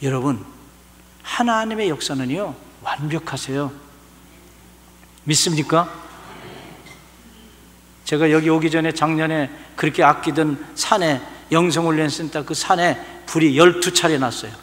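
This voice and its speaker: A male pastor preaching a sermon, swinging from soft asides to loud emphatic lines. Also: fairly high pitch, unhurried, pauses often. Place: large church hall. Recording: church sermon with long hall reverb.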